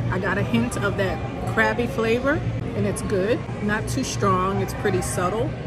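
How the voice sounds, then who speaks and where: The speech comes at a fairly slow pace over loud music in the background. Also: woman. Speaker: travel vlogger. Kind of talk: casual vlog chat. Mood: relaxed, upbeat. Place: street. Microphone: phone near.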